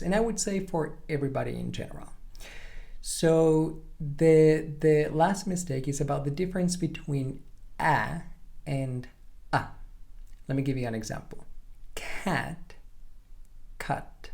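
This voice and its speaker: Male language instructor, native Spanish speaker. Unhurried, deliberate explanations with some vocal fry. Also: on the high side, mellow. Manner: deliberate, careful enunciation of examples. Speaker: pronunciation teacher.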